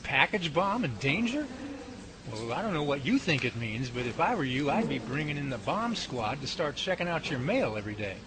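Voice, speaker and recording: A man's voice: fairly high pitch, very animated, normal speed. A man playing a wisecracking, folksy lab assistant in an amateur radio drama. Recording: noisy amateur recording.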